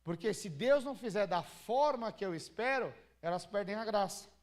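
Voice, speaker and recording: A man's voice: high-pitched, lively intonation, normal speed. A Brazilian man preaching as pastor in a church, talking casually and retelling stories with questions to the congregation. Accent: Brazilian Portuguese. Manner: conversational preaching with acted-out anecdotes and rhetorical questions. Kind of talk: sermon.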